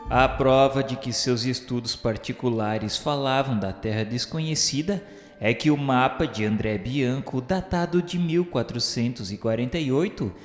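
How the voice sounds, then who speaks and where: A man with a Brazilian accent gives a solemn scripted radio drama narration in a formal, measured, literary manner. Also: mid-range voice. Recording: echoey hall-like reverb with music. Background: music.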